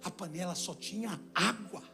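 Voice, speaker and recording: A man preaches from a church stage and tells a story. His voice sits very high for a man and has a gravelly edge. He acts out the people in the story as he goes. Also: moderate pace, soft background music. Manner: animated storyteller, acts out shouted quotes. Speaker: pastor. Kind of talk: sermon storytelling.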